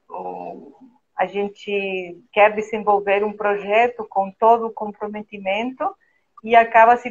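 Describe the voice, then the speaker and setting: A woman with an Argentine Spanish accent, a guest architect speaking slowly and hesitantly with many fillers in a casual conversation. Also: medium pitch, muffled recording. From Argentina (Buenos Aires), born in Brazil. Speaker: guest, architect and interior designer.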